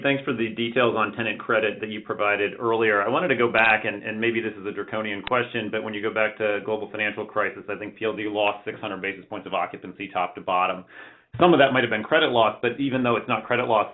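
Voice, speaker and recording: A male analyst puts questions on a conference call in a lowish voice. He talks quickly and conversationally, over a thin, narrow phone connection.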